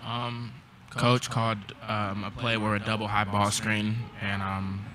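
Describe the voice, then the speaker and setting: Subdued young man, flat low voice. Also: crowd noise. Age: young adult. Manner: subdued, halting, many ums. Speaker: college basketball player. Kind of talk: postgame press conference answers. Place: press conference room. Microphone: table mic.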